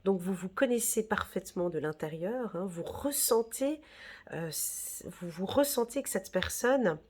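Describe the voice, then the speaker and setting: A woman's voice: medium pitch, expressive, a little slow, a little mellow, slightly rough. Chatty woman reading tarot. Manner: chatty, reassuring, many fillers and "d'accord?". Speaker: tarot reader. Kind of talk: casual tarot reading monologue.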